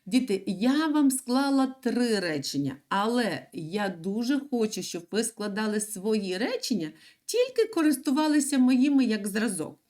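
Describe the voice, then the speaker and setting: A woman teaching young children an online reading and writing lesson, explaining patiently step by step. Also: on the high side. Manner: slow, patient, lively sing-song explaining. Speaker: primary school teacher.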